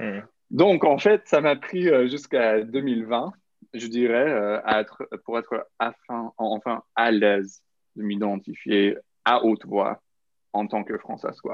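Delivered at a very slow pace, the speech has ordinary pitch variation and long, frequent pauses. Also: man, medium pitch for a man. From Saskatchewan, Canada (Regina). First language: English (speaking French). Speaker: podcast guest, young politics graduate. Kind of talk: casual interview.

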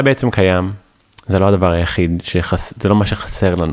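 With a normal speaking voice, a man talks at a moderate pace, pitched fairly low, with fairly even intonation. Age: 30s. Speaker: podcast host. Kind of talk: casual chat.

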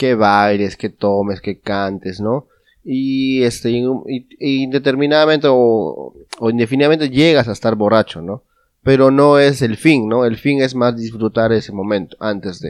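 The man speaks at a fairly slow pace. His medium pitch shows ordinary variation. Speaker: podcast co-host. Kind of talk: casual chat, storytelling. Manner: animated, laughing.

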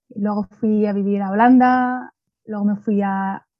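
Her voice is somewhat breathy, a woman's dark, mellow tone at a fairly high pitch with fairly even intonation. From Spain, Madrid. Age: 20s. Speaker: social entrepreneur and startup CEO. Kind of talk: interview conversation.

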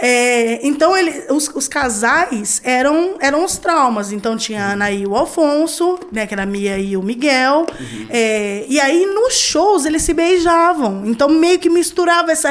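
Fairly slow speech with hardly any pauses and very wide pitch swings, over noticeable background noise. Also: woman, high pitch for a woman. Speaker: fan club founder. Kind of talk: casual chat.

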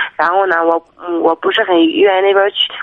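A woman is speaking. She keeps a moderate pace. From Shandong, China (Jinan, Shanghe). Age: 20s. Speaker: caller. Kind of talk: call-in advice conversation. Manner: hesitant, many fillers.

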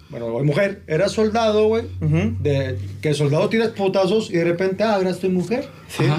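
A man with a high voice speaks at a fairly quick pace with lively intonation over noticeable background noise. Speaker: podcast host. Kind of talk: casual chat.

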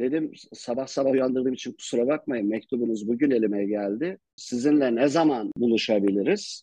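A man speaks at a medium pitch with hardly any pauses. His tone is dark and mellow, with ordinary pitch variation. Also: moderate pace. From Turkey, Ankara. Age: 60s. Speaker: entrepreneur, businessman. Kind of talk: interview, life story.

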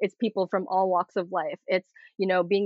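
A woman with an American accent has an ordinary speaking voice. She talks at medium pitch and a fairly quick pace. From Los Angeles. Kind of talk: casual discussion.

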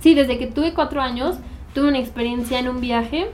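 A woman with a high pitch speaks at a fairly quick pace amid audible room echo. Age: 20s. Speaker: actress and model. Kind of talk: interview. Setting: at her home.

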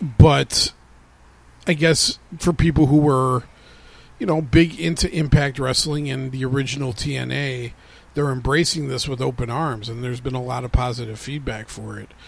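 A somewhat breathy man's voice at medium pitch, moderate pace and ordinary pitch variation, with big swings in loudness. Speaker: podcast host. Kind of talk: casual podcast chat.

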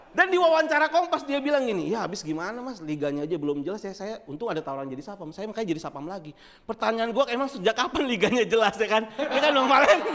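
Against noticeable background noise, a man with a high pitch talks at a very fast pace in an animated tone, with very wide pitch swings and big swings in loudness. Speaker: comedian. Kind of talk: stand-up comedy set. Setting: stage with audience. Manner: animated, punchy joke delivery with crowd-directed tags; casual Jakarta slang, self-deprecating, fast-paced.

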